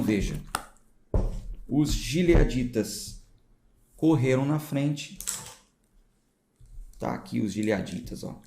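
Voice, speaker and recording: Reading from the Bible and explaining it as he goes, a São Paulo pastor keeps things relaxed and chatty, turning aside now and then to speak informally to his viewers. His voice is dark and mellow, in an ordinary middle range for a man, with a São Paulo Portuguese accent.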